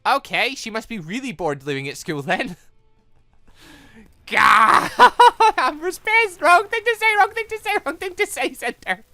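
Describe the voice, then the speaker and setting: A woman giving excitable video game commentary as a let's play host, reacting out loud with exclamations. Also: sits high, measured pace, dry recording, faint music behind.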